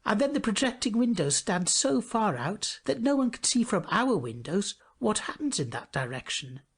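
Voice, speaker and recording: A snooty, complaining neighbour house from a fairy tale, acted by a man reading aloud. The voice is scornful and lifted in pitch, swinging up and down. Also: very animated, normal speed, breathy edge, full character voice. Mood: indignant, scornful.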